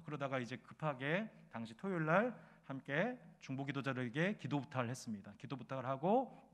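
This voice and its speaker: A middle-aged male pastor preaching a sermon, telling a story and asking his congregation questions, rising loud when moved. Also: medium pitch. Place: church sanctuary.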